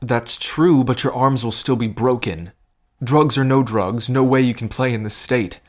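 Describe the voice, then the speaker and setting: A man's voice: mid-range voice, normal speed, close to an everyday voice. A man acting in an audio drama as a protective, wry cousin in a gambling scheme, talking in an earnest, conversational way. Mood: concerned, questioning. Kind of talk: scripted audio drama acting, addressed to the listener.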